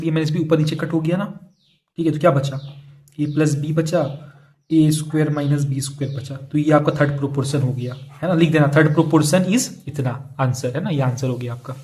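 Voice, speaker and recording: A man's voice: fairly high pitch, darkish tone. A young man teaching a casual math lesson online, chatty and repeating each key step as he works through problems. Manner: chatty, repeats key steps, calls students "yaar" and "bhai". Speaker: math tutor.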